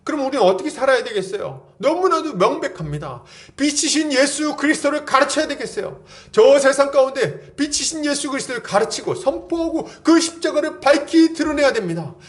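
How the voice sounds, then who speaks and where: A man's voice: very high-pitched, animated, brisk, hardly any pauses. A male pastor preaching a sermon at a church service, pressing the congregation with rhetorical questions and acting out everyday conversations in casual speech.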